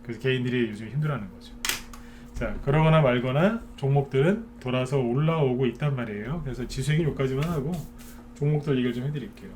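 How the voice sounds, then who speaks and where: A man's voice: mid-range voice, fast, a little mellow, a little hiss or hum. A man giving a live stock market lecture to viewers, talking in a chatty way and often checking in with them through short tag questions.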